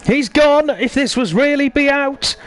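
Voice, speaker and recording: A man's voice: very high voice, unhurried, slight background noise. A man hosting live esports racing commentary in a chatty, conversational way, bantering with his co-commentator. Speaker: sim racing commentator and host.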